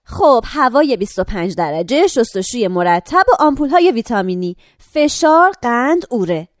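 A woman playing a brisk care-home attendant. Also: on the high side, very animated, no echo, studio quality. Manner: brisk, matter-of-fact, instructing. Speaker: caregiver.

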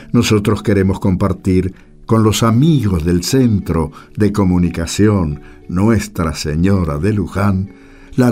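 Slow, mellow male narrator over music. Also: lowish voice. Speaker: narrator and scripture reader. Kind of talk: solemn scripted narration.

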